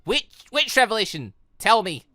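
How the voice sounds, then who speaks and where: A man voicing a wounded, hostile young woman in a visual novel game, halting and strained. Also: sits high, very animated, pushed and bright, no room sound, clean studio sound, pitched above the performer's own voice, full character voice. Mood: desperate.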